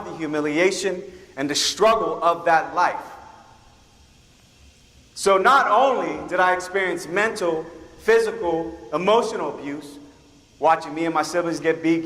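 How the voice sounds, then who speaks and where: A man from Guam speaks as a keynote speaker to students and tells his story with lively energy, acting out each voice in it. His voice sits high for a man. The sound bounces around a large school hall with a long, ringing reverb. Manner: animated, acts out dialogue from his stories. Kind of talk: motivational storytelling talk to students.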